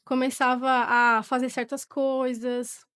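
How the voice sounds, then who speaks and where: A seventeen-year-old woman with a Brazilian accent giving a personal testimony in an informal, halting way as an interview guest. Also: high voice, level tone, a bit bright, smooth, no room sound, studio quality. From Portugal, born to a Brazilian family. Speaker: podcast guest, young church singer.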